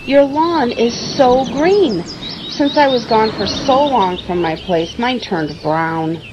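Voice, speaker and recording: A fairly high female voice of an actress plays a gushing visitor in an audio drama. She is polite and complimentary, with noisy birdsong around her. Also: lively intonation, slow. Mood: admiring.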